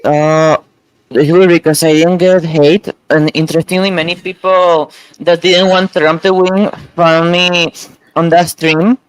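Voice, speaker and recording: Male, notably high pitch, clean tone, conversational podcast delivery, close dry sound. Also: little pitch movement, unhurried, clean tone, no echo, poor audio. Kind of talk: casual podcast chat.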